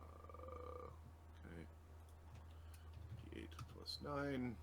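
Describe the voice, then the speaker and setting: A man acting as game master of a tabletop roleplaying game, talking casually and haltingly as he works through rolls and numbers. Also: medium pitch, lively intonation, creaky, a little hiss or hum. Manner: casual, halting while working out numbers aloud.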